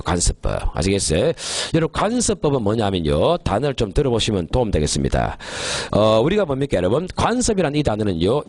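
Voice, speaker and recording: A man lecturing on criminal law for an exam course, emphatic and often checking that the class follows, slowing down to dictate key phrases. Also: medium pitch, a little mellow, dry recording. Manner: emphatic, keeps asking the class to confirm.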